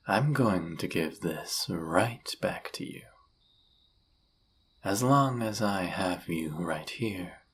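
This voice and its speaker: A man playing a suave, seductive demon in a flirty audio roleplay, husky and gravelly, with a teasing, theatrical, often murmured delivery. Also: low voice, a little hiss or hum, exaggerated voice. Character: suave seductive male demon, smug and dangerous.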